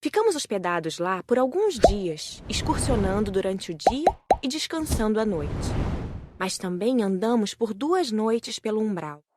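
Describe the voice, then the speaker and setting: A woman's voice: mid-range voice, big pitch swings, unhurried, noisy background. A woman with a Brazilian accent reading a scripted first-person audiobook narration.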